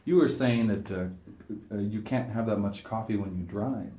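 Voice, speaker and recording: A man's voice: lowish voice, normal speed, mellow, highs cut off. A man in a casual, informal home chat, acting as the visiting interviewer. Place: indoors in a home. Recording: echoey room with clear background noise.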